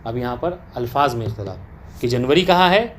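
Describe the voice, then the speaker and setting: A man's voice: medium pitch, lively intonation, slight background noise. A man teaching a class on religious law, explaining a text and often checking with rhetorical questions that the students follow. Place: teaching session with students present.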